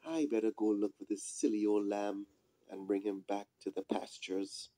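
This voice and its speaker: A puppeteer voicing a mischievous, excitable young shepherd boy with exaggerated delivery in an amateur puppet show. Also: sits low, normal speed, lightly acted. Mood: bored, scheming. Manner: exaggerated, yelping when alarmed. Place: small indoor room, behind puppet curtain.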